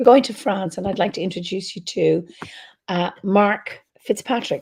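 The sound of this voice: At a moderate pace, a hoarse, raspy put-on character voice carries the lines. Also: woman, medium pitch for a woman.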